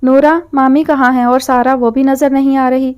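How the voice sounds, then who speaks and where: A woman's voice: high voice, level tone, a little mellow, clear, resonant tone, natural voice. A woman voicing a stubborn young university woman who pouts and argues, in a novel reading. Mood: curt. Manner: pouting and argumentative.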